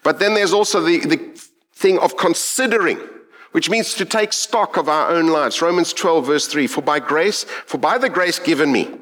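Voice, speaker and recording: A middle-aged man from South Africa with a South African accent, preaching a sermon in an earnest, reflective way with thoughtful pauses. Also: a little high, a bit bright.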